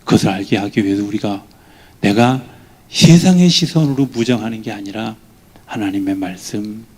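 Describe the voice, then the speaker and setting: A male pastor preaching a midweek sermon in a church. His voice is mellow and warm, and he swings between soft asides and loud, high bursts as he acts out quoted lines. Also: normal speed, breathy edge.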